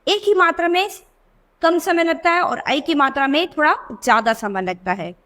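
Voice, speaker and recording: A woman teaching young children a reading lesson. She asks questions and answers them herself, and she stretches out words slowly to show the sounds. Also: high voice, sharp tone.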